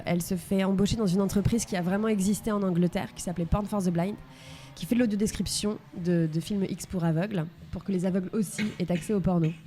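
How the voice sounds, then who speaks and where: A woman, an actress and guest on a radio show, pitching her play fluently. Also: warm tone, slight background noise.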